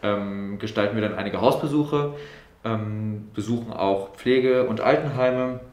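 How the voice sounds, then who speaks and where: A young man in his twenties, a medical student, answers questions in a practice room with a slightly low voice. He pauses and restarts as he thinks, and the room gives his voice a noticeable echo. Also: a little mellow. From Berlin, Germany. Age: 20s. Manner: thoughtful, many fillers and restarts. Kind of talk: interview answers.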